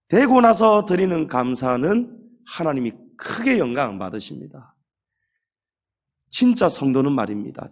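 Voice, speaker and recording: High-voiced, animated preaching man. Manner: emphatic preaching, slows down and stretches key words; addresses the congregation directly. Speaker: pastor. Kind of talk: sermon.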